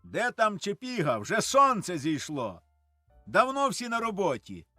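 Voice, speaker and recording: A man's voice: sits high, wildly swooping pitch, measured pace, sharp tone, no echo, soft background music, heavily acted. A man reading the part of a farmer's son who tells things plainly and matter-of-factly, in an audiobook of a stage play.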